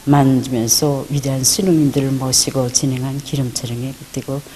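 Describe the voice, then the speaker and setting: Low, mellow North Korean woman. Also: fairly even intonation, moderate pace, a little hiss or hum. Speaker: interviewee recounting her father's story. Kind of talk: solemn personal testimony.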